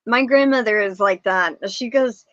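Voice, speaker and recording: A woman's voice: on the high side, normal speed, a bit bright, no echo. A woman hosting a casual livestream, chatty, greeting viewers and reading the chat aloud. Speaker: livestream host. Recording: dull, dry stream audio.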